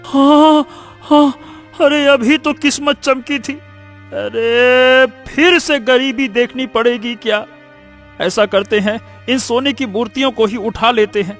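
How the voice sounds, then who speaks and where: A man voicing a greedy, excitable village man in a cartoon story who laughs and hurries. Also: extremely high pitch, slow pace, faint music behind, exaggerated voice. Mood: scheming. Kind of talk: Hindi cartoon voice acting.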